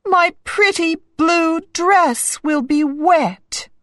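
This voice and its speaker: A woman playing a young, spoiled, excitable princess in a children's story, girlish and exclaiming. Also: extremely high pitch, very slow, no room sound, studio quality, pitched above the performer's own voice, full character voice. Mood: dismayed.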